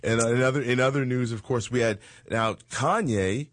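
A man's voice: mid-range voice, moderate pace, a bit bright, no echo, clean studio sound. A man in his forties hosting a chat show, rambling and joking with lots of fillers. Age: 40s. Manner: loose, rambling, joking, with frequent fillers and laughs. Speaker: show host. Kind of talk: casual chat show banter.

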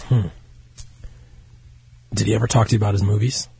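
Host guy w gravelly husky low voice, crude teasing questions. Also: steady tone, a little fast, dark tone, no room sound. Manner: teasing, provocative, profane questions. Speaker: talk show host. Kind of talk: crude joking interview.

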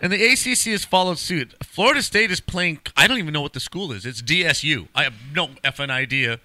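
A man with a very bright, forceful voice that sits high. He hosts casual sports talk, swearing and joking in an animated, slangy way. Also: fairly quick, no room sound. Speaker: sports talk show host. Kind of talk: casual, profane sports banter.

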